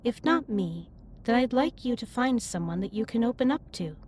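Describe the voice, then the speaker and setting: A woman playing a caring, earnest alien starship captain in a sci-fi roleplay audio drama, speaking in formal, precise, measured sentences. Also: fairly high pitch, animated, darkish tone, a little hiss or hum, close to an everyday voice. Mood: gentle, saddened. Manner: formal, precise, stilted wording with measured delivery. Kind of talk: scripted roleplay audio drama, intimate one-sided dialogue.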